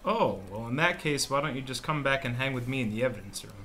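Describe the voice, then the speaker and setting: A man acts out a bitter police evidence clerk in a radio play. His mid-pitched voice is dry, deadpan and sarcastic. A little noise sits in the background. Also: quick pace. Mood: dry, mocking. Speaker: actor in a sci-fi radio drama. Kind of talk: radio drama acting.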